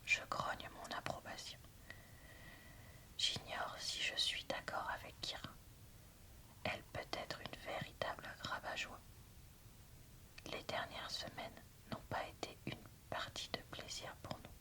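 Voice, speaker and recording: Whispering woman, slow ASMR book reading. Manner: soft, unhurried, deliberate whispering. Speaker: booktuber reading a novel aloud and reviewing it.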